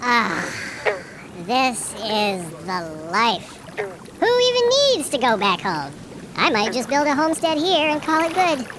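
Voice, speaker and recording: An actor voicing an exuberant, easygoing expedition crew member with a breezy, animated manner in a fiction podcast. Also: medium pitch, takes it slowly, background noise. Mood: blissful. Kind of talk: fiction podcast character acting.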